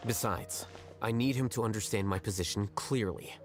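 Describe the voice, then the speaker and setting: A man's voice: fairly low pitch, normal speed, close to an everyday voice. An actor playing a cool, blunt young male scholar who speaks in a detached, articulate way in an anime video game. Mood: aloof, analytical. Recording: background music under game dialogue.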